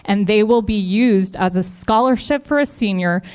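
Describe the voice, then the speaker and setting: A woman's voice: mid-range voice, normal speed, darkish tone, clear, resonant tone. Upbeat woman addressing an audience. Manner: upbeat, encouraging, promotional. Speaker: foundation representative speaking at a district event. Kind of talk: live event speech to an audience.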